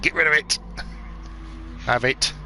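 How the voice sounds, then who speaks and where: Bright-voiced jokey race commentator man. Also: a little high, unhurried, slight background noise. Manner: jokey, laughs often. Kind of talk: casual sim-racing commentary.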